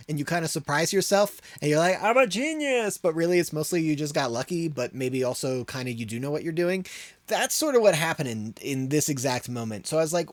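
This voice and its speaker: A man's voice: mid-range voice, dry recording. A man hosting an audio production tutorial in an informal, conversational way. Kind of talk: casual spoken tutorial.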